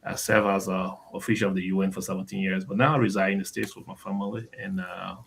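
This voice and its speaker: Man, lowish voice, earnest, short statements, faint background noise. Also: flat delivery, quick pace, vocal fry. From southeastern Liberia. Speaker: panelist, former UN official. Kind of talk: self-introduction on a panel.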